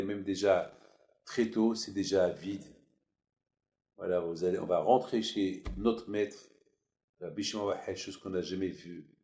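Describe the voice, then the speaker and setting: A man's voice: low-pitched, darkish tone. A man, a rabbi, giving a sermon with emphatic, repetitive phrasing. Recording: echoey room.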